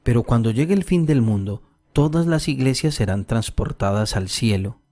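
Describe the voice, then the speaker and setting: A man's voice: medium pitch, expressive, moderate pace, a little mellow, soft background music, close to an everyday voice. A man voicing a pious little peasant girl who earnestly tells another child about God, angels and the end of the world. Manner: storytelling, mimics her mother tenderly.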